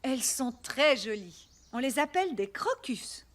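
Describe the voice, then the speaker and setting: A kindly cartoon mother with a high voice. She talks gently and explains things simply to small children. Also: very animated, a little slow. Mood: pleased, gentle.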